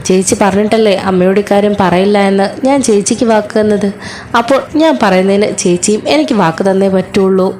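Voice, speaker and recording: A woman's voice: medium pitch, fast talker, dark tone, natural voice. A woman voicing a distraught young man who pleads emotionally with his elder sister as she retells a serial episode. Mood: insistent.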